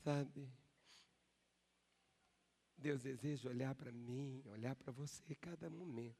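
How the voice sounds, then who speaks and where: Gravelly older pastor preaching in a hall. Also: male voice, mid-range voice, fairly even intonation, slow, mellow. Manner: emphatic preaching with call-and-response. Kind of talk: sermon. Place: large church. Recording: long church hall reverb.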